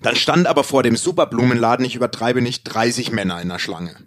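A man co-hosting a podcast, casually telling an anecdote in a crude, animated, self-mocking way. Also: mid-range voice, fast talker, no echo, clean studio sound. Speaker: podcast co-host.

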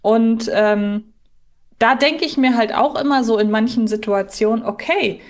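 A woman's voice: fairly high pitch, unhurried. Woman chatting casually as podcast co-host. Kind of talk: casual fan discussion.

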